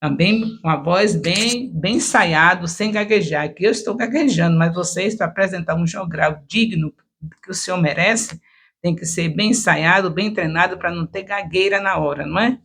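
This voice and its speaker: A man teaching a church group how to stage a choral Bible reading, explaining slowly with many repetitions and self-corrections, and reading the verses out in a more declaiming tone. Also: high voice, vocal fry, sharp tone, breathy edge. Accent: Brazilian Portuguese. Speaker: discipleship teacher.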